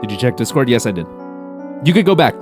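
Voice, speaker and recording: A man's voice: mid-range voice, big pitch swings, fast, music in the background. A man giving casual commentary while streaming a game, laughing, swearing and reading on-screen text aloud.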